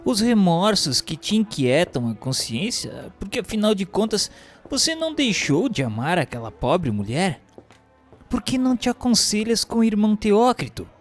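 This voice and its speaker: Radio drama support: male actor as reasoning, caring friend, lighter pitch, lively inflection, formal and earnest. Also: normal speed, soft background music. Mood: concerned, questioning. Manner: earnest, expressive, questioning. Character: concerned, reasoning male friend giving counsel.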